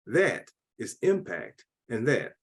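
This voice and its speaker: A man delivering a scripted commentary segment in a measured, emphatic way. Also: mid-range voice, huge pitch swings. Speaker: podcast segment host.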